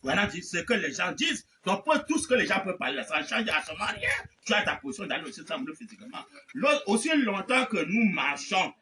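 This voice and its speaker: A man preaching a fervent sermon, often shouting and repeating refrains between phrases. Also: high voice, big pitch swings, brisk, few pauses, distant mic, slight background noise. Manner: shouting, repeating "eh ben" and "amen".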